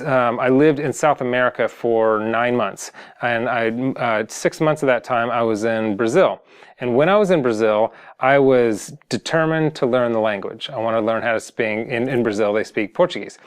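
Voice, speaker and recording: A man's voice: medium pitch, clear, resonant tone. A man giving a singing lesson in an earnest, repetitive way, often restarting his sentences. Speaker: singing coach. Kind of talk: lesson to camera.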